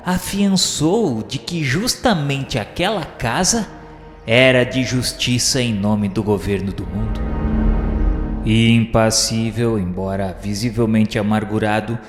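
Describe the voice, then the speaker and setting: A man with a Brazilian accent giving a solemn, formal, measured dramatic narration, like a scripted radio novela. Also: medium pitch. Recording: echoey, long reverb, music behind. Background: music.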